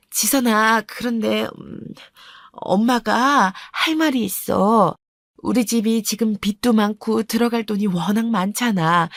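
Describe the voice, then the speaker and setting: A woman voicing a tired widowed mother who speaks softly and hesitantly in a radio story drama. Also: on the high side, no echo, clean studio sound. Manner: soft, hesitant and apologetic. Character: weary apologetic widowed mother.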